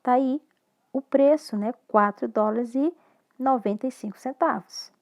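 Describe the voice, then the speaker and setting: A woman with a Brazilian Portuguese accent, an English teacher giving a recorded lesson, speaking slowly and clearly as she moves between English and Portuguese. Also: a little high, darkish tone.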